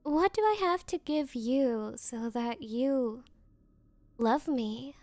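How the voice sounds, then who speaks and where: Bratty rich popular girl played by a woman, high voice, slow condescending drawl, smug and possessive, anime ASMR roleplay. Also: darkish tone, no echo. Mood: coaxing, entitled. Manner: condescending valley-girl drawl with coy pauses.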